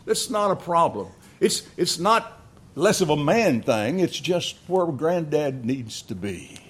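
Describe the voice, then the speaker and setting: With a fairly high voice and big pitch swings, an older male preacher tells family stories in his sermon. His storytelling keeps stopping and starting over, punctuated by chuckles.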